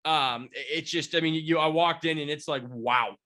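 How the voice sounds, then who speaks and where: At a moderate pace, a slightly high male voice with a sharp edge carries this casual sports podcast. The host, a sports beat writer in his twenties from Washington State near Seattle, is congested from a cold and rambles, restarting often and filling gaps with fillers.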